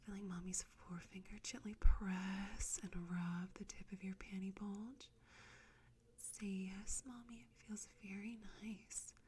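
A woman whispering close to the mic in a soft, coaxing, teasing audio roleplay. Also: medium pitch, level tone, measured pace, a little hiss or hum.

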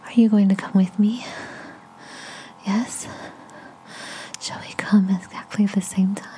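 Woman, breathy whisper, very slow pace, intimate adult audio monologue, addressing the listener. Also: mid-range voice, level tone, dark tone. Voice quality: breathy, mostly unvoiced whisper. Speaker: amateur erotic audio performer.

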